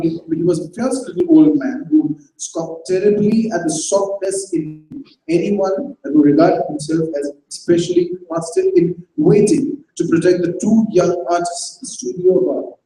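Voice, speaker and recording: A man reading a short story aloud on stage in a dramatized reading, with measured storytelling. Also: high-pitched, mellow. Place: festival stage, hall. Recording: echoey hall from far off.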